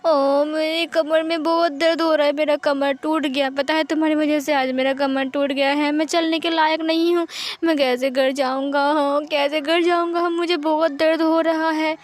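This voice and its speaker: A woman's voice: fairly even intonation, brisk, natural voice. A woman voicing a dramatic young man who pleads and whines while faking pain. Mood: whining. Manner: pleading, melodramatic, high-pitched whining.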